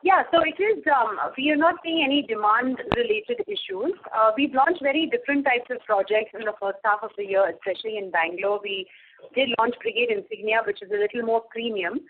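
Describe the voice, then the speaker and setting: A woman with an Indian accent answering as a company executive on an earnings call, measured and business-like. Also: on the high side, a little hiss or hum. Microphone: telephone conference call. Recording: tinny, narrow phone line.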